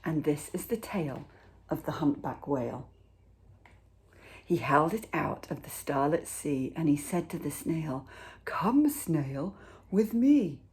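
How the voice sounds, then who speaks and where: Low-pitched, unhurried woman reading a picture book. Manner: expressive, with drawn-out words. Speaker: teacher reading aloud. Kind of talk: rhythmic children's picture-book read-aloud.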